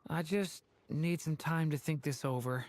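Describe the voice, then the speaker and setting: A man playing a gentle, thoughtful young dragon boy in a video game, soft-spoken and hesitant. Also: a little high, unhurried. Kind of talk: video game character acting. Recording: game music behind.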